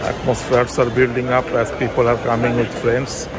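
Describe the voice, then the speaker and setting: Man, travel vlogger, halting shop-by-shop narration, monotone delivery, heavy background noise. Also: medium pitch. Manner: plain, halting descriptions of shops with fillers. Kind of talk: walking tour narration. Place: busy shopping mall, indoors. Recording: loud crowd and mall noise behind.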